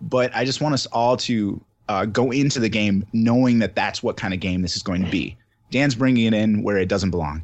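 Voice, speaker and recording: A man with a normal speaking voice and an American accent talks at a fairly quick pace and medium pitch. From southern Minnesota. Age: 30s. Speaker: role-playing gamer in a dispute. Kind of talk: casual testimony in mock trial.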